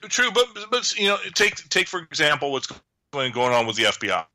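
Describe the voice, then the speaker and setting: A man's voice: fairly high pitch, very animated, a little fast, pushed and bright, no echo, low-quality recording. A man in a heated political discussion who talks insistently, repeating phrases to hold the floor. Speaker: guest commentator.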